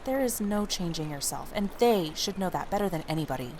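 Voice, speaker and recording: A woman's voice: lowish voice, lively intonation, brisk, a little mellow, a little hiss or hum. A woman playing a feisty, blunt young woman, a protective best friend with a casual, sassy way of talking, in an audio drama. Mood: protective, indignant.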